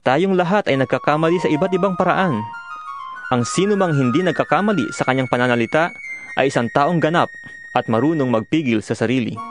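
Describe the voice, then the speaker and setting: Solemn man reading scripture over music. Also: fairly high pitch. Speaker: narrator of a dramatized audio Bible. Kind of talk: dramatized scripture reading, exhorting. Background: music behind the voice.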